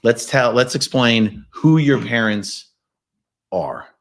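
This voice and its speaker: A man in his forties hosting a casual interview, relaxed and conversational with wry asides, at a desk mic in a wood-paneled studio. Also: medium pitch, slow. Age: 40s. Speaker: host.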